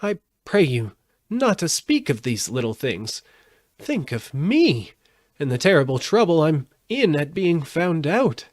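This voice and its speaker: Man acting little old wizard, trembling, meek, pleading, high swooping pitch, storybook character. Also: very animated, unhurried, no echo, clean studio sound. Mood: anxious confiding.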